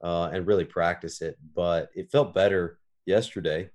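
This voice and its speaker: A man's voice: sits low, steady tone, normal speed, darkish tone. A man guesting on a casual podcast chat, earnestly reflecting on his training.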